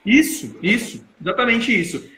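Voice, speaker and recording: Bright-voiced Brazilian man explaining. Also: extremely high pitch, lively intonation, moderate pace, echoey room, poor audio. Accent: Brazilian Portuguese. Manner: explanatory, plays with emphasis and loudness to demonstrate. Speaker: guest speaker on public speaking. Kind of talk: live-stream talk.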